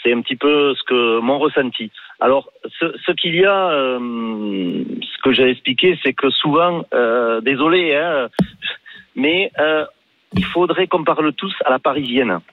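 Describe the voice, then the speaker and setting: Toulouse guy calling in, halting, lots of pauses, tinny phone line. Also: medium pitch, lively intonation, no echo. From southern France. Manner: hesitant, many pauses. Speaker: caller. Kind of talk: phone-in call.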